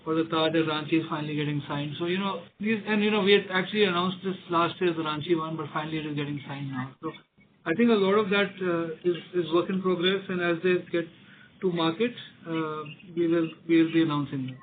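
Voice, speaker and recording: A man's voice: on the high side, fairly quick. A man with an Indian accent answering investors as a company executive on an earnings call, often repeating words as he explains. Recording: tinny phone line with background noise.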